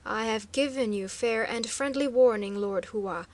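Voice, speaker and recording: A woman voicing a proud male master of guards who speaks in a cold, stern, measured way. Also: on the high side, fairly even intonation.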